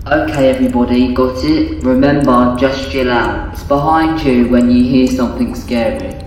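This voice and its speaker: An actor playing a pompous, sardonic wizard in a comic pantomime audio drama, with a deadpan, self-important manner. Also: medium pitch, moderate pace, slight background noise, close to an everyday voice. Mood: urgent. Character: pompous, sardonic wizard guarding magical objects. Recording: very echoey hall, distant, music behind.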